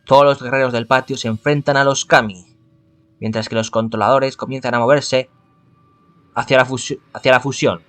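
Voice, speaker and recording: A Spanish-accented man from Spain reads a visual novel out loud, his mid-range voice steady, fairly bright, and moderately paced. He trips over the text, frequently corrects himself, and drops in side comments.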